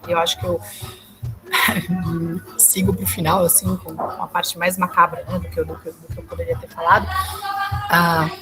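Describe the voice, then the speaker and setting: Young Brazilian woman, lower register, guest lecturer, chatty with fillers, music in the background. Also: normal speed, long pauses, rough recording. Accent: Brazilian Portuguese. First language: Portuguese. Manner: conversational, many fillers and restarts, searching for words. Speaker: guest speaker at a law school event. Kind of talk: informal academic talk.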